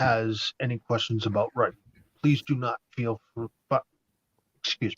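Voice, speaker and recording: A man with an American accent sounds somewhat breathy. The sound is dry and close, with no echo. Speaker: guest sharing cancer grief experience. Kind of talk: casual chat. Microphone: connectivity issues.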